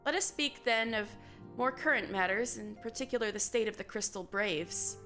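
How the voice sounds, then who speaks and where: Calm formal woman leader, as a streamer reads her lines. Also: on the high side, soft background music. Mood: grave counsel. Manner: measured, formal reading of game dialogue.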